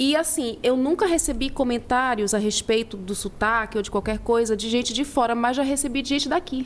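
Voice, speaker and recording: A woman speaks at a high pitch and a fairly quick pace, with hardly any pauses. Noticeable background noise runs under her voice. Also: ordinary pitch variation. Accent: strong Manaus. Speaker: social media influencer. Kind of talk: casual chat.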